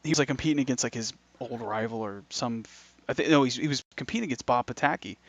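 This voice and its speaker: A man's voice: mid-range voice, fast, noisy background. A man on a casual podcast chat, telling stories with lots of swearing. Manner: swears a lot, animated storytelling. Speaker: podcast co-host.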